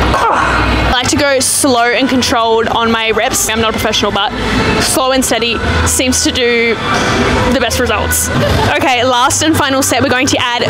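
A woman's voice, dry with no echo, over music in the background. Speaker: fitness vlogger. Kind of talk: casual vlog chat. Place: gym. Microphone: handheld.

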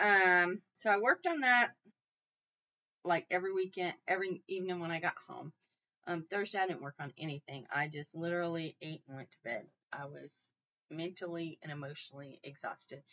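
In an ordinary speaking voice, a woman with a fairly low pitch talks at a moderate pace, with ordinary pitch variation and big swings in loudness against a quiet background. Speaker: crafter vlogger. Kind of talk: casual vlog chat. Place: home room. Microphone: webcam.

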